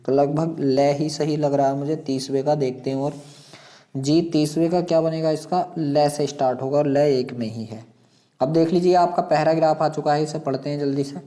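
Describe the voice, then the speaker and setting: A man's voice: a little high, steady tone, normal speed, warm tone. A man teaching an exam lesson, reading questions and passages aloud in an instructive way, repeating phrases and putting questions to his students.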